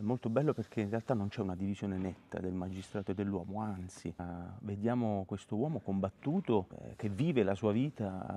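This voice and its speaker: A man with a fairly low pitch and a dark, mellow tone speaks at a fairly quick pace with ordinary pitch variation. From Italy, not Sicily. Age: 40s. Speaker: stage actor. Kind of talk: interview. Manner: halting. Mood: calm, reflective. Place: hall. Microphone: lapel.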